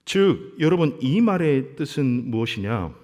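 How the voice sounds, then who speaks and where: A man preaching as pastor at a midweek church service, acting out quotes in a lively way. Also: mid-range voice, a little slow. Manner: animated preaching with acted-out quotes. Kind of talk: sermon. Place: church sanctuary. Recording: church hall reverb.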